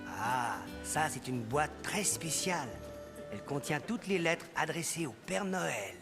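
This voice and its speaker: A man's voice: fairly high pitch, lively intonation, a little slow, vocal fry, over loud music. A man playing a kindly postman who explains things in a friendly way in a children's cartoon. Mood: kindly, helpful. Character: kindly, helpful adult postman.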